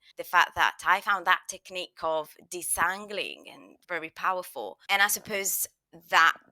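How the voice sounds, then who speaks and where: A woman with an Italian accent, a bright, sharp tone and a fairly slow pace, in a dry, close sound with no echo. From Italy. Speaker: psychology researcher. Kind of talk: casual interview chat.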